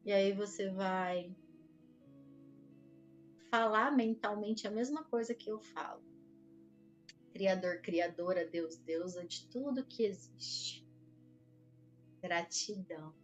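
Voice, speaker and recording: A Brazilian woman leads a guided meditation at a slow pace, leaving long pauses between instructions. Her voice sits at a middle pitch for a woman, with music playing behind it.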